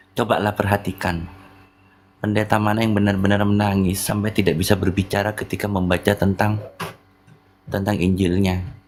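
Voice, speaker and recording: A man's fairly low-pitched voice in monotone, flat intonation, broken by long, frequent pauses. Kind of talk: interfaith religious debate.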